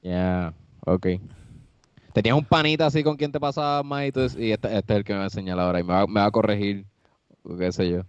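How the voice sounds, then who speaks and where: Smooth-voiced man asking questions. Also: fairly low pitch, a little fast, dry recording, dull audio. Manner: inquisitive, asks questions. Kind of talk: casual podcast chat.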